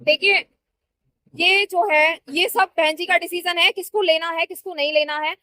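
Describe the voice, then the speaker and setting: Thirtysomething woman, real high bright voice, earnest and persuasive, answering an interviewer. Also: fairly even intonation, moderate pace, no echo. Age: 30s. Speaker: party worker interviewee.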